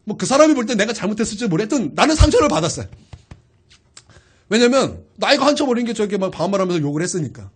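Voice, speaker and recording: A man preaching a sermon in a high, bright voice that leaps up and down as he tells his story. He talks straight to the congregation and throws questions at them. He shifts his delivery constantly to keep them listening. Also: very animated, fast talker, breathy edge. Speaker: pastor.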